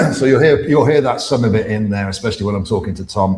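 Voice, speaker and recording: A man talks at a fairly low pitch. He has a slight West Country accent. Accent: slight West Country (Gloucester). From Gloucestershire, England. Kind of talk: casual chat.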